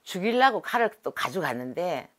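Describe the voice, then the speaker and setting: A middle-aged woman, a shaman, telling stories from her past in an animated, dramatic way during an interview. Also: fairly low pitch, moderate pace, background noise. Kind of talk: storytelling interview.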